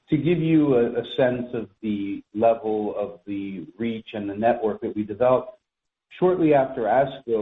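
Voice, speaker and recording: Male corporate executive, measured and formal, phone-band sound in a very roomy space. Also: lowish voice, phone-quality sound. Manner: measured, formal, careful word choice. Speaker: company executive answering analysts. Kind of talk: spontaneous business Q&A on a conference call. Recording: echoey, thin telephone conference line.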